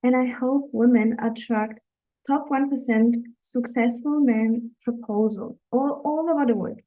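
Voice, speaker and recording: A woman's voice: fairly high pitch, unhurried, dark tone, low-quality recording. A woman from Germany, a dating coach, speaking to viewers in an earnest, encouraging live webinar talk.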